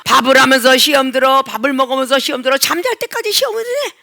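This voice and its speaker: Woman pastor, very high bright voice with gravel, shouting sermon, church. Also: fast. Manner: shouting and crying out, acting out voices. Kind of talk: charismatic sermon.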